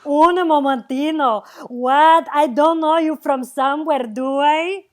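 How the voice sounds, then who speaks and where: A woman's voice: sits high, fairly even intonation, slow pace. A woman voicing a dreamy, flirtatious Latina with a Latin American Spanish accent in a comic table read, drawing her words out. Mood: flirtatious, puzzled.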